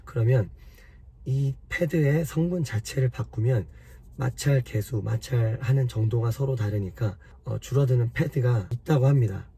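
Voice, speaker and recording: A man with a hoarse voice from a cold, patiently explaining car repair step by step to his viewers in a casual way. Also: medium pitch, normal speed, warm tone, a little hiss or hum. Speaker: car maintenance vlogger.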